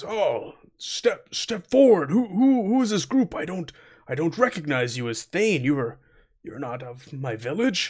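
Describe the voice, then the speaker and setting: A man puts on a raspy character voice with a high pitch and very wide pitch swings. He moves at a moderate pace, with big swings in loudness. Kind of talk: fantasy lord, formal speech. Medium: actual play. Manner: stammering, repetitive.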